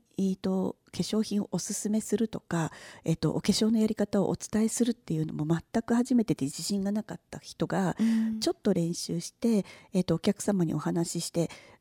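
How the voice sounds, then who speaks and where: A woman speaks at a moderate pace and medium pitch, somewhat breathy, with a dark, mellow tone and ordinary pitch variation. The sound is dry and close with no echo, on a very clean recording with a silent background. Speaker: company president. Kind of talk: casual chat.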